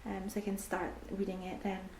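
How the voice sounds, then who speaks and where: Scottish woman, young, casual vlog chat, mellow voice, lots of ums, roomy echo, faint hiss. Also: mid-range voice, monotone, fairly quick. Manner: chatty, frequent ums, drops to near-whispers at times. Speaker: book vlogger. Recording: echoey room with faint background hiss.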